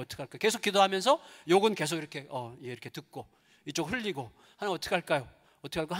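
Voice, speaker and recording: A male pastor preaching a sermon in a church, telling a story with lively acted-out quotes and prayers. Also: high voice. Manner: animated storytelling, acts out quoted prayers and dialogue. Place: large church sanctuary. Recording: long hall reverb in church.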